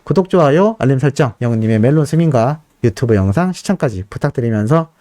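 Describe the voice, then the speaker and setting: Guy reading fan news for his channel, bouncy animated pitch, dark mellow tone, dry close sound. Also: quick pace, no echo. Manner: earnest, lively delivery with rhetorical questions to viewers. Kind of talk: scripted celebrity news narration.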